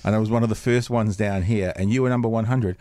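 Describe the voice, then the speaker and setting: A man hosting a podcast from a studio, his voice low and deep the way it gets on morning radio. He chats loosely, circling back and laughing at himself. The sound is close and dry. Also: steady tone, quick pace, mellow, no room sound. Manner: chatty, rambling and self-deprecating. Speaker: podcast host. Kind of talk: casual interview chat. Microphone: studio mic.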